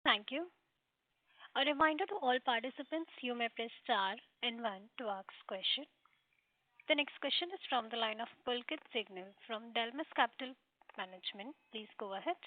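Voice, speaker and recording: A woman's voice: fairly high pitch, animated, moderate pace, no echo. A woman working as a conference call operator, giving scripted announcements. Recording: dry, narrow phone-like line.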